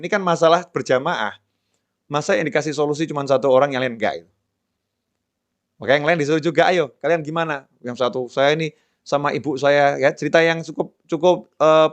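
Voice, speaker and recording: A middle-aged man preaching a conversational sermon, dropping to a softer, lower voice to act out prayers and dialogue. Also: fast talker.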